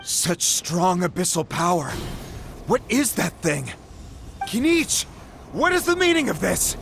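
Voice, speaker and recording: An actor playing a protective tribal chief in a video game, earnest and easily alarmed. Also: male voice, high voice, huge pitch swings, a little slow, vocal fry, background noise, exaggerated voice. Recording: game audio with music underneath.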